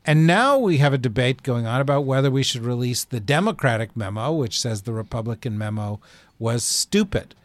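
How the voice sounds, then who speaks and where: A man from New Jersey hosts a casual political panel, wry and joking, often stopping on fillers before he lands his point. His voice sits at an ordinary middle pitch and is recorded close and dry, with no room sound around it. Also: animated, normal speed, no echo. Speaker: podcast host.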